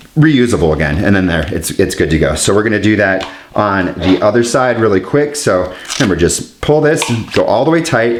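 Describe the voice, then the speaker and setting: Noticeable background noise sits behind a man with a fairly low pitch. His loudness stays very even while his pitch swings very widely. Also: fairly quick pace. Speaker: tech reviewer. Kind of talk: tutorial talk to camera. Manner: casual.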